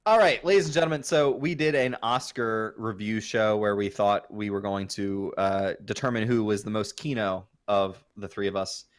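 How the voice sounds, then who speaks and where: A man's voice: on the low side, steady tone, moderate pace, few pauses. A man co-hosting a casual podcast, mock-boastful, swearing and stumbling over his words. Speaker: podcast co-host.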